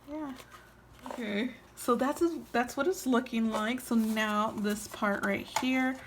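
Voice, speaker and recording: A tired-sounding woman hosting a casual hands-on craft tutorial, explaining each step informally with trailing pauses. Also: a little high, fairly bright tone, a little hiss or hum.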